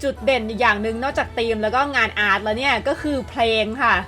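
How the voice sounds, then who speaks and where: Presenting a list of games, this female video host talks quickly in a slightly high voice. She keeps her scripted delivery cheerful and friendly toward the audience, with background music running throughout.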